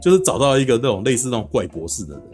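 A man hosting a podcast, recapping a plot in a chatty, animated way and often asking "you know?". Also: medium pitch, rapid-fire, soft background music. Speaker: podcast host.

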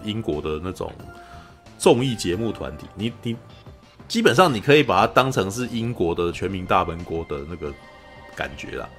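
A man hosting a podcast, retelling a film in animated casual chat and often asking his listeners whether they follow. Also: on the low side, normal speed, faint music behind. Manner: animated storyteller, keeps asking "you know?". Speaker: podcast host.

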